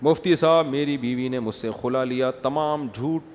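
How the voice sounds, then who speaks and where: A man's voice: mid-range voice, fairly even intonation, darkish tone. A man giving a humorous religious talk, telling stories with comic impressions and answering questions read out from the audience. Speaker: Islamic scholar answering questions. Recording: long hall reverb.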